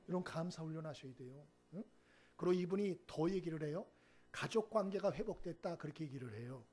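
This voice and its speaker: A man preaching as a pastor, telling stories with lively acted-out quotes and asking the congregation for responses. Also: on the high side, slightly rough. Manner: animated storytelling, acts out quoted speech, asks the congregation "응?". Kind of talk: sermon.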